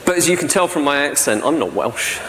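A man in his forties gives a conference talk from a lectern mic, chatty and self-deprecating, often tagging on "right?". His voice sits a little high for a man. The big hall adds a long reverb and a faint hiss behind him. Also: big pitch swings, brisk, fairly bright tone. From South-East England. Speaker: conference speaker. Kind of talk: presentation talk. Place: large dark hall on a stage with projection screen. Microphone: stand mic at lectern.

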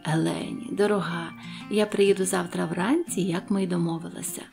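A happy, lovestruck old gentleman from a storybook, voiced by a woman reader, speaking in a lowered, hushed voice with cheer in it. Faint music plays under the reading. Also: steady tone, moderate pace, gravelly. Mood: joyful. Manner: cheerful, warm. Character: cheerful smitten elderly male suitor.

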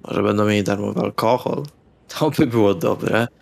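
A man's voice: on the low side, normal speed, gravelly, darkish tone. A man speaking casually and bluntly as a player in a tabletop role-playing session. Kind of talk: casual in-character banter in Polish tabletop session.

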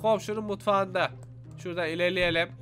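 Young man, gaming commentary, high voice, bright tone, excitable, game music faint behind. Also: brisk. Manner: animated, exclaims and talks to viewers. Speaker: gaming YouTuber. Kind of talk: excited let's-play commentary.

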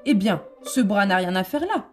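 A woman voicing a fussy, bossy male white rabbit in a storybook reading, with a shrill, commanding, impatient manner. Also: lively intonation, normal speed, faint music behind, lightly acted.

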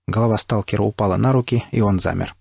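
A man narrating a first-person audiobook in a steady storytelling manner, with a gravelly voice. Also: fairly low pitch, fast talker, dry recording, clean studio sound.

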